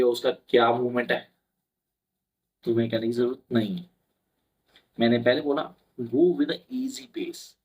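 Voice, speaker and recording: A man's voice: mid-range voice, husky, low-quality recording. A young adult man tutoring for an English exam in a casual mix of Hindi and English, chatty and reassuring, acting out his students' questions. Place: indoor room with a whiteboard behind him.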